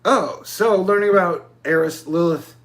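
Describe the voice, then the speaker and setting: This YouTube host, a man in his forties, speaks at normal speed in a high, somewhat bright voice. He wanders loosely from point to point and swears casually.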